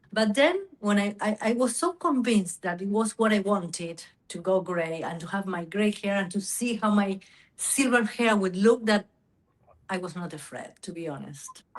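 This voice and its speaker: Speaking with a Spanish accent, this woman keeps her delivery at a moderate pace. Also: medium pitch for a woman, ordinary pitch variation. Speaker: gray hair model and entrepreneur. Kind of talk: interview. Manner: halting.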